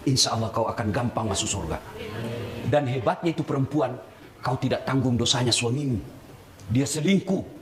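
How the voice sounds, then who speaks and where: Lively, teasing male preacher. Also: high-pitched. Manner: animated, teasing, joking with the audience, rhetorical questions. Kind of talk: sermon. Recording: echoey hall with background noise.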